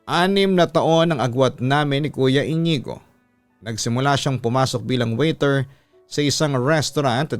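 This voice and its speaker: A man's voice: mid-range voice, dry recording. A man reading a listener's personal letter aloud as a scripted, storytelling radio-style narration.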